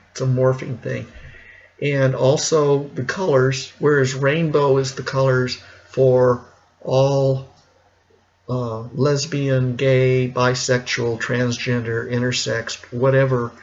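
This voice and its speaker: A middle-aged man with a gravelly, hoarse, cracking voice, talking casually and reflectively in a rambling personal vlog. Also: medium pitch, muffled recording. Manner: rambling, reflective, slow with pauses. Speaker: vlogger.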